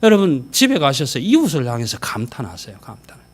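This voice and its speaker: A male senior pastor preaching a sermon in a church, talking straight to the congregation and swinging from loud exclamations to near whispers. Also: medium pitch, wildly swooping pitch, fairly quick, breathy edge. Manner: conversational, addressing the congregation directly. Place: church sanctuary.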